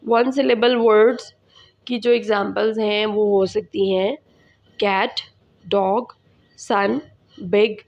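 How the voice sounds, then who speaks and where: A woman teacher, explaining an English lesson slowly and repeating words for her students. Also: mid-range voice, steady tone, a little mellow, dull audio. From Pakistan.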